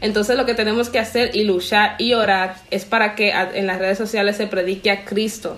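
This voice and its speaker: A woman speaks at a moderate pace with hardly any pauses, in a fairly high, monotone voice of very even loudness. Noticeable background noise is present. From Dominican Republic. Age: 20s. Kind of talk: casual interview.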